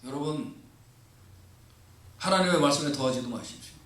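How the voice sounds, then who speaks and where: A middle-aged man from Korea preaching a lively sermon as a pastor, acting out dialogues and leading his congregation in reading. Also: mid-range voice, normal speed. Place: church sanctuary. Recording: echoey church hall mic from a distance.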